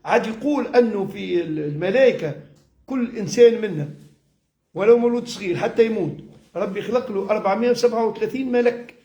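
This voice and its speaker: Male religious teacher, Tunisian accent, notably high voice. Informal, explanatory delivery that rephrases points, recorded in a reverberant room. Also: quick pace, warm tone, muffled recording. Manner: explanatory, repeats and rephrases with everyday examples. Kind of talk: informal religious lesson mixing classical Arabic and dialect. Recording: echoey room.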